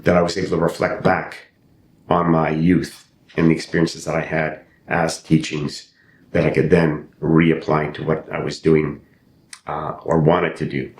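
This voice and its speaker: Older man from Canada, English not his first language, very low voice, roomy sound. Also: darkish tone. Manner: thoughtful, with frequent restarts and repeated phrases. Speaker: podcast guest, actor and playwright. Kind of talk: reflective interview storytelling. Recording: roomy with faint rumble.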